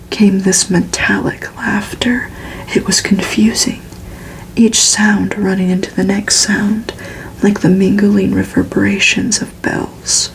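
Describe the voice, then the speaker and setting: A woman reads gothic fiction as ASMR in a breathy, fully unvoiced whisper. Her delivery is very slow and deliberate, with pauses between phrases. The tone stays flat and hushed throughout, with little movement in pitch. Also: low-quality recording. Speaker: ASMR reader. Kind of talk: ASMR audiobook reading of a gothic novel.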